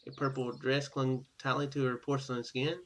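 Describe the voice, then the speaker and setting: A man's voice: mid-range voice, little pitch movement, normal speed, noisy background. A man hosting a gaming video, reading a visual novel's text aloud and dropping in casual, offhand comments. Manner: ad-libs offhand remarks, casual and informal.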